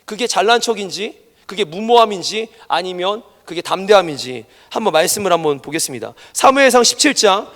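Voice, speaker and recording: A man preaching a sermon as pastor, animated and emphatic, acting out the voices he quotes. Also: high voice, fairly quick, hardly any pauses. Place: church education hall. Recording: reverberant church hall.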